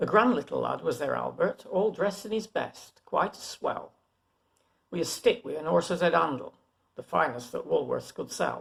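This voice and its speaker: A man with a Lancashire accent speaks at a moderate pace. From Lancashire, England. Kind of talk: poetry reading.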